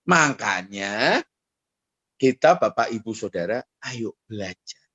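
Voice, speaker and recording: Animated pastor preaching. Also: male voice, sits high, breathy edge, no echo. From Indonesia. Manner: animated storytelling, acts out quoted voices, addresses the congregation directly. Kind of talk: sermon.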